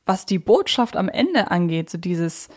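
A woman's voice: fairly low pitch, very animated, a little slow. Chatty woman co-hosting a podcast. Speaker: podcast co-host. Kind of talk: casual conversational discussion of audio dramas.

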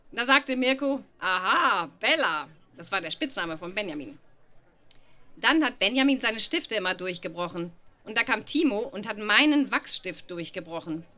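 A woman's voice: a little high, bright, forceful tone. A woman reading her childhood diary aloud at a live show, often laughing through the text.

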